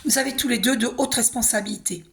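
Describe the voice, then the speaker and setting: Woman card reader, hoarse and throaty, fairly high voice, chatty and reassuring; faint kitchen clatter behind. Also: fast, fairly bright tone, a little hiss or hum. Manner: chatty, reassuring, tag questions like hein and d'accord. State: hoarse, clearing throat and coughing. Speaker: tarot and oracle card reader. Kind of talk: casual spiritual card reading to camera.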